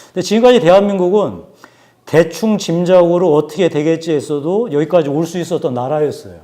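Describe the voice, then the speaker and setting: A man in his forties giving a book talk, explaining numbers in a measured way with frequent hesitations. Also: a little high, dark tone. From South Korea. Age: 40s. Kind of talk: lecture-style talk with statistics.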